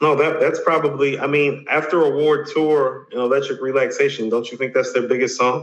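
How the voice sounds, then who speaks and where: A man with an American accent, fairly high-pitched and monotone, flat in intonation, at a fairly quick pace with hardly any pauses. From Atlanta, US South. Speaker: hip hop podcast co-host. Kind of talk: casual chat.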